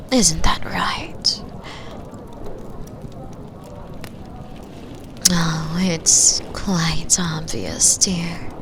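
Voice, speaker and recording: Lady doing a flirty mature woman at a bar, sultry n breathy, really slow, teasing roleplay, noticeable background noise. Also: medium pitch. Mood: teasing, coy. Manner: slow, sultry, breathy, drops into near-whispers. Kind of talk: binaural roleplay audio drama, intimate second-person acting.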